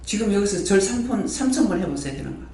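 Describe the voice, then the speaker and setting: Animated preaching man, echoing from afar. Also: high voice, quick pace, slight background noise. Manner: animated preaching, repeats phrases, quizzes the congregation. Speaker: pastor. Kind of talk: sermon. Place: church prayer hall. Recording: very echoey hall, mic far off.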